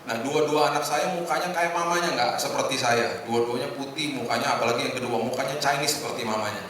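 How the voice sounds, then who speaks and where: A middle-aged man preaching informally to a congregation in a conversational, joking way, with hesitant pauses. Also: medium pitch, fairly bright tone. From Indonesia. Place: large echoing indoor hotel hall. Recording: echoey hall, distant mic, noisy room.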